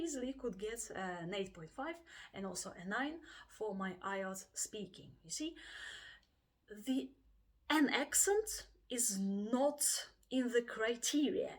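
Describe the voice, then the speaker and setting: A woman from Russia with a Russian accent, giving a chatty English exam lesson and acting out her students' voices. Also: fairly high pitch. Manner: chatty, acts out students' voices, frequent laughs. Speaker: IELTS teacher. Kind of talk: casual video lesson.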